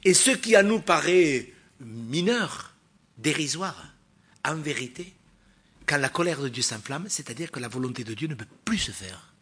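A man preaching a sermon in a church, emphatic, swinging from loud stresses to quiet asides and asking the congregation rhetorical questions. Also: fairly high pitch, expressive, moderate pace, breathy edge.

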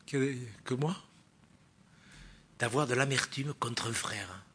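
A man preaching a sermon in a church, emphatic, swinging from loud stresses to quiet asides and asking the congregation rhetorical questions. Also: medium pitch, takes it slowly, slight background noise.

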